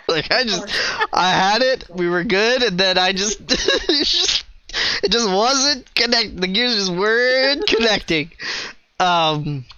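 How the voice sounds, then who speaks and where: A man's voice: high-pitched, expressive, slow pace, sharp tone, clean tone, highs cut off. A man running a tabletop game as game master, joking and laughing loosely between scenes.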